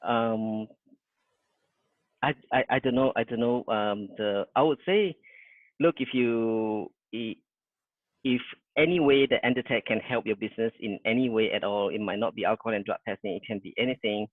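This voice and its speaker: A man from Indonesia, a business owner, answering interview questions in a halting, modest way with many fillers. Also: on the low side, no echo, narrow, tinny audio.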